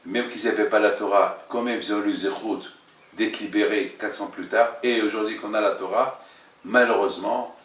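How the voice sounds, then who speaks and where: A rabbi leads an informal religious class with questions, speaking in a fairly low, fairly bright voice. He is halting and emphatic and repeats phrases, recorded from a distance in an echoey room.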